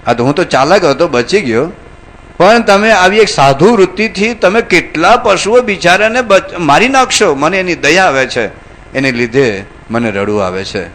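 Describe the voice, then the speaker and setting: A man's voice: on the high side, animated, normal speed, fairly bright tone. A man voicing a clever male monkey in a sermon story, speaking in a sorrowful, pleading way.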